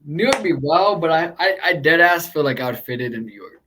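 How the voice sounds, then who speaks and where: A man's voice: a little high, expressive, a little fast, pushed and bright, slight background noise. A young man hosting a podcast in casual chat, joking and swearing often. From Chicano background. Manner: profane, joking, laughs often. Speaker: podcast host.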